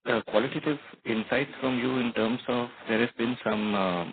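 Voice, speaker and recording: A man's voice: medium pitch, normal speed. A man, an individual investor asking questions on an earnings call, polite and hesitant. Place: phone call. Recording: noisy, narrow phone line.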